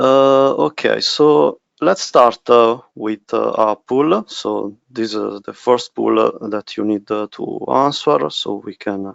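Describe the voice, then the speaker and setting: A man at a very slow pace with hardly any pauses. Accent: Italian. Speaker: CAD technical specialist. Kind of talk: webinar presentation. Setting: online webinar. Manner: halting, many fillers.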